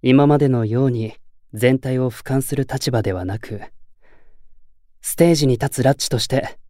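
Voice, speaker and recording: A man acting a composed, earnest young idol leader in an audio drama, speaking in polite, measured formal phrases. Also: mid-range voice, dark tone, no echo, clean studio sound, natural voice. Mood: quietly probing.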